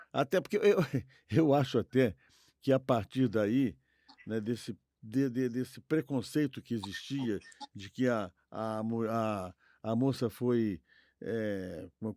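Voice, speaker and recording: A man with a Brazilian accent co-hosting a podcast, offering opinions conversationally and rephrasing haltingly as he thinks aloud. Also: medium pitch, darkish tone, no echo. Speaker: podcast co-host. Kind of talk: conversational commentary, giving opinions.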